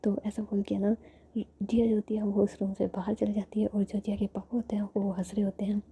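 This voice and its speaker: A woman narrating a romantic story in a steady whisper. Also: mid-range voice, creaky, husky. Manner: soft whisper throughout, flat delivery.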